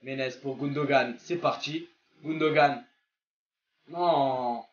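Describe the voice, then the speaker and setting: A young man gives casual, excited commentary on a football video game, slangy and prone to swearing and exclaiming at plays. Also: mid-range voice, takes it slowly. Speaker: gaming video creator playing a football game. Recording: dull lo-fi voice track with music behind.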